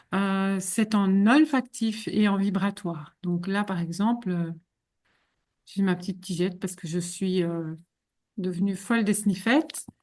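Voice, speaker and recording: A woman speaks at a medium pitch, somewhat breathy, with ordinary pitch variation. Long, frequent pauses break her speech against a quiet background. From Belgium. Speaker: sophrologist and olfactotherapist. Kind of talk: casual promotional chat. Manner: halting, many hesitations.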